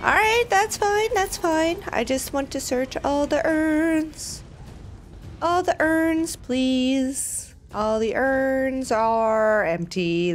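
Bubbly high-voiced woman gaming host. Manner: bubbly, chatty, exclamatory. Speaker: video game let's play host. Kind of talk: casual gameplay commentary.

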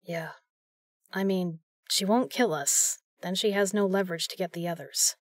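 A tough female secret agent played by a woman in an audio drama, protective and grim. Her voice is on the low side and very dry in sound, and she talks bluntly. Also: normal speed, dry recording, lightly acted. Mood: worried, apologetic. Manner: blunt, matter-of-fact.

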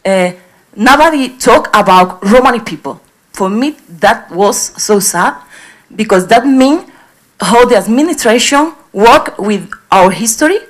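A woman from southern Spain with a Spanish accent, speaking from the floor of a lecture hall into a handheld mic in halting English, with many fillers and restarts. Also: fairly high pitch. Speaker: audience member. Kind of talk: question from the floor.

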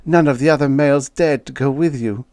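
A man's voice: medium pitch, brisk, a little mellow, dry recording, studio quality, pitched above the performer's own voice, lightly acted. A man voicing a devoted young tribal woman who pleads in formal phrasing, in a story reading. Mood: pleading.

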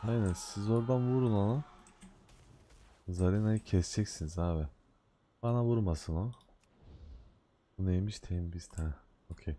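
Deep-voiced man giving chatty game commentary. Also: moderate pace, long pauses, warm tone, a little hiss or hum. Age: adult with a day job. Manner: chatty, talks back at the game with playful mock scolding; loose slangy banter. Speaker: gaming video host. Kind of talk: casual let's-play commentary.

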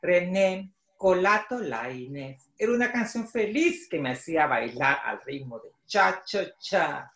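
Middle-aged male author, Salvadoran accent, slightly high voice, read-aloud delivery, very roomy video-call sound. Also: animated, moderate pace, few pauses, fairly bright tone. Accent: Salvadoran Spanish. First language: Spanish. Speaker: children's book author. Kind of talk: explaining and reading a picture book aloud. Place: small home office, indoors. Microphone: video call computer microphone.

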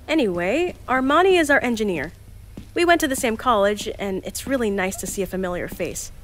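A woman's voice: on the high side, animated, fairly quick, slight background noise, close to an everyday voice. An actress playing Jules, a cheerful, chatty young woman who organizes a time capsule team. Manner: bubbly, chatty, flustered. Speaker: narrator of time capsule recordings.

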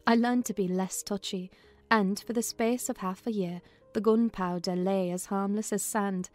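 A woman giving a measured, storytelling narration of a dramatized classic novel, in character as a housekeeper. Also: mid-range voice, a little mellow. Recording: music under the voice.

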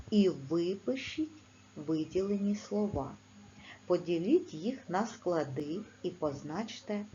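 Ukrainian woman teacher for a kids' video lesson, lowish voice, slow careful delivery, slightly dull recording with faint noise. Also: warm tone. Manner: slow, clear, instructive dictation. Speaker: primary school teacher.

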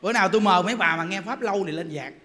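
A man giving a Buddhist dharma talk in a temple hall, telling stories in an animated way, with loud bursts and chuckles. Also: sits high, rapid-fire, background noise. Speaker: Buddhist monk teacher. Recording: long hall reverb.

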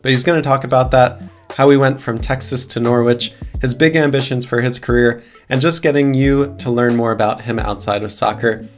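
A man's voice: medium pitch, fairly even intonation, fairly quick, hardly any pauses, faint music behind. A man in his thirties hosting an interview over a video call from his home office, talking with energy. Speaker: host. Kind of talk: upbeat interview host, reads sponsor ad.

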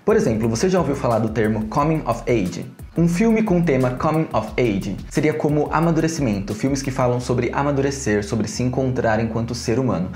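A man's voice: mid-range voice, fairly quick, few pauses, faint music behind. Young man explaining eagerly in a roomy room. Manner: animated, gestures a lot while explaining. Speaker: video essay host. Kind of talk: casual explanatory vlog. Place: small room at home, brick wall behind.

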